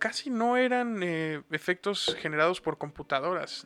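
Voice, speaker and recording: With a Mexican accent, a man speaks at a fairly slow pace while music plays in the background. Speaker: podcast host. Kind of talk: casual chat.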